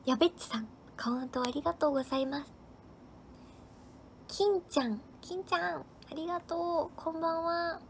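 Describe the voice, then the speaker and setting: Female live-stream host, high voice, cheerful, rattles through viewer names and thank-yous. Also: steady tone, normal speed, creaky, a little hiss or hum. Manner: cheerful, thanks viewers by name one after another. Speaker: livestream host. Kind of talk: casual live-stream chat reading viewer comments.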